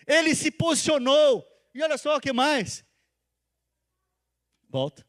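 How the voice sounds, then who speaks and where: A man, a pastor preaching a sermon who swings between loud, emphatic calls and soft, intimate asides, and who quizzes the congregation and repeats his phrases for stress. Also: very high voice, big pitch swings, slow pace.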